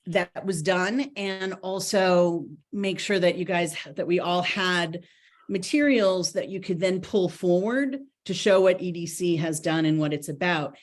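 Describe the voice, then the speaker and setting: A woman's voice: lowish voice, a little slow. A woman presenting a grant report to a board in an online meeting, chatty with many ums and restarts. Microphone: video call.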